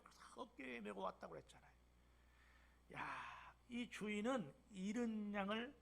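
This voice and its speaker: A gravelly, high-pitched older man in his sixties with a Jeolla dialect, preaching from the pulpit of a church. He talks in an emphatic way that swings from loud bursts down to soft whispers. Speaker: pastor. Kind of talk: sermon. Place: church sanctuary.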